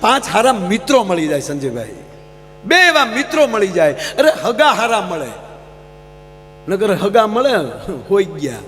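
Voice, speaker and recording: High-voiced folk comedian on stage. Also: male voice, big pitch swings, a little slow, fairly bright tone. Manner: folksy, keeps addressing the audience as sir. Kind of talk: live stage humorous storytelling. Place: large live stage program. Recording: reverberant live hall, faint mains hum.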